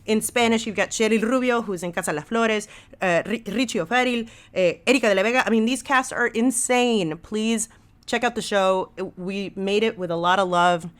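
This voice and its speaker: Female podcast guest, medium-pitched, casual and slangy, drives points home with enthusiasm. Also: moderate pace, smooth. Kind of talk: casual conversational podcast talk.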